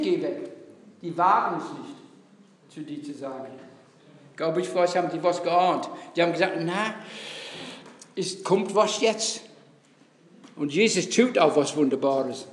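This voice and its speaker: A man preaching a sermon in a church, emphatic and repeating his key phrases. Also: high-pitched. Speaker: pastor. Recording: echoey church hall.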